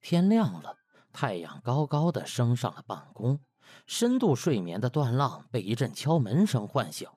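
A man's voice: mid-range voice, huge pitch swings, normal speed, warm tone, slightly rough. A man narrating a comic web-novel audiobook in a colloquial, dramatic storytelling style.

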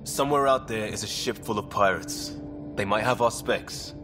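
An actor playing an earnest, guilt-ridden young crewmate in a video game, speaking in halting, informal, clipped phrases. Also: male voice, lowish voice, over music, lightly acted. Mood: determined. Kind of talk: video game cutscene dialogue.

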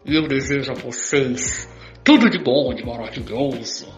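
A man's voice: mid-range voice, moderate pace, faint music behind, natural voice. An older Brazilian man playing a sentimental ladies' man in an amateur radio soap, with flowery, theatrical delivery. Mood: wistful, gallant. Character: sentimental old ladies' man sailing away to sea. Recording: dull lo-fi, echoey room.

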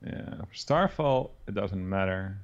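A young Dutch man with a Dutch accent, talking through a card game as a guest co-player, thinking aloud with quick restarts. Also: deep voice, animated, lo-fi sound. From Netherlands. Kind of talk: casual game commentary.

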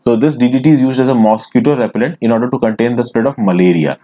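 A man's voice: medium pitch, fast talker, dark tone. A man with an Indian English accent teaching a recorded lesson, explaining step by step and often calling his listeners friends. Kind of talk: recorded screen lecture.

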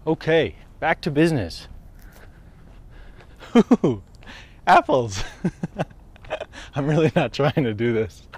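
A man's voice: mid-range voice, animated, slow pace, long pauses, husky. A man, chatting casually while walking down a residential street, camera held at arm's length, swearing freely and laughing at himself. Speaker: wellness vlogger. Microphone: handheld camera at arm's length.

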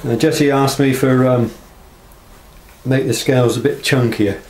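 A knife maker shows off his work in a small block-walled workshop, speaking casually, unscripted, hesitantly and with understatement. His medium-pitched voice is steady, a little slow and darkish. The camera audio is rough, with clear background noise.

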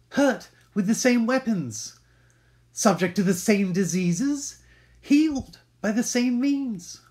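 A man's voice: high voice, darkish tone, voice pushed up, full character voice. A man playing an aggrieved, vengeful Shakespearean moneylender in an intense, theatrical stage monologue. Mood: wounded, insistent.

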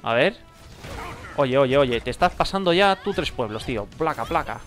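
A young man with a Spain Spanish accent, talking over a fighting game. His pitch leaps all over the place. Game music plays faintly behind him. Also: normal speed. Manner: excitable, slangy, repeats himself, laughs often. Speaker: gaming youtuber. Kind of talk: excited gameplay commentary.

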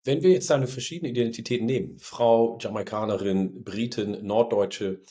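A man in his forties hosting a podcast, asking casual questions in an unhurried way with fillers, recorded on a studio microphone at home. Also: on the low side, dark tone. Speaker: podcast host. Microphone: studio condenser mic with headphones.

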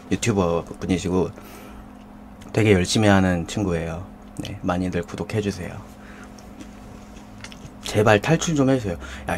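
A man's voice: low voice, darkish tone, a little hiss or hum. A man hosting a live mukbang stream, eating and joking while he greets viewers from the chat. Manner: jokey, banters with viewers, reads out chat names. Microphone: desk condenser mic.

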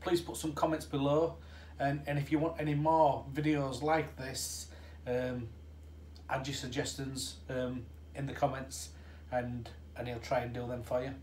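A man's voice: mid-range voice, flat delivery, a little slow, darkish tone, a little hiss or hum. A man hosting a trade video channel, asking casually and a little hesitantly for comments before the video starts. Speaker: channel host. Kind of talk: video intro and sign-off.

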